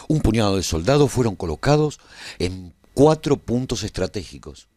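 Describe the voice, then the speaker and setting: A man's voice: on the low side, a little mellow, dry recording, studio quality. An actor playing a male resistance veteran who narrates a post-apocalyptic war in a scripted radio serial.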